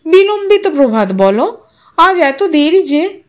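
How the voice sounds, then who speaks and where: A woman's voice: very high voice, very animated, slow pace, pitched above the performer's own voice, full character voice. A woman voicing a sensitive, reproachful young wife in an audio story, with pointed, emotive delivery. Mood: mock reproach. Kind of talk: audio story character acting.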